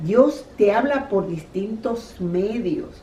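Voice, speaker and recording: Audible room echo surrounds a woman whose words come at a very slow pace. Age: 80s+. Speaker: pastor. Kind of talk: sermon with personal testimony.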